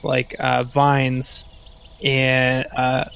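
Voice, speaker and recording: A man playing a tabletop game, casually describing his character's actions in halting phrases peppered with "like". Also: medium pitch, monotone, creaky, fairly bright tone, clear, resonant tone. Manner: halting, heavy use of like.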